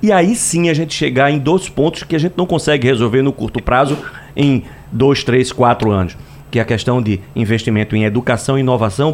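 A man from Brazil on a radio talk show panel, asking a long, winding question with modest asides. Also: medium pitch.

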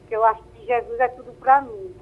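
A woman's voice: on the high side, steady tone, fast talker, slight background noise. A woman calling in to a radio show over a landline phone. She talks casually and often tags phrases with a questioning "né?". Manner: soft-spoken, often ends phrases with a questioning "né?". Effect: heard over a landline phone. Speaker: caller. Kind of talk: casual call-in chat. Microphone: telephone handset. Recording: tinny, narrowband phone line.

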